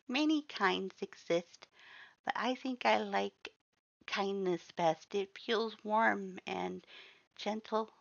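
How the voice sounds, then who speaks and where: A narrator voicing a shy, gentle male skeleton monster who speaks softly, slowly and hesitantly in an audiobook. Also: mid-range voice, vocal fry, highs cut off, voice pushed up. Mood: bashful, tender.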